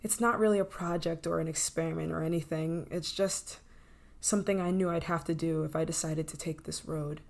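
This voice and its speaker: A woman's voice: deep voice, fairly even intonation, gravelly, a little mellow. A woman playing an obsessive, menacing scientist in an intense, possessive ASMR roleplay. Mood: somber, confessing. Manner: intense, pleading, possessive, dramatic pauses. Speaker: voice actor in audio roleplay.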